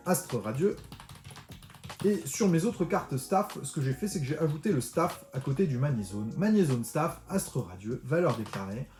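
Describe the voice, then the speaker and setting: A fairly high-voiced man guides the viewer step by step through an online tutorial in a chatty, informal way. His voice rings in a roomy space, with faint music playing underneath. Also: darkish tone. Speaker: card-collecting tutorial host. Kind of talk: screen-recorded tutorial walkthrough.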